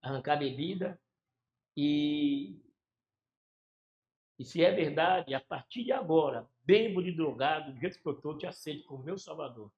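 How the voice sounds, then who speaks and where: A man, a pastor telling his conversion story with fervor, in pauses and restarts. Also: on the high side, muffled recording. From São Paulo area, Brazil. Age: 60s. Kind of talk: emotional conversion testimony in a casual chat. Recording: echoey room.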